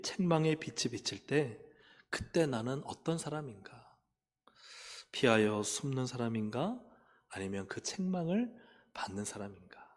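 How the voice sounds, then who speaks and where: Korean pastor preaching in a reverberant hall. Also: male voice, medium pitch. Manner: asks rhetorical questions; grows loud and animated when retelling. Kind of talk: sermon with personal story. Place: church sanctuary. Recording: long church hall reverb.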